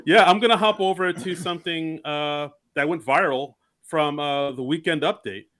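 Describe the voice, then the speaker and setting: A man co-hosting a casual comedy podcast, enthusiastic and quick to laugh, often restarting his sentences. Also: fairly high pitch, a bit bright. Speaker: podcast co-host.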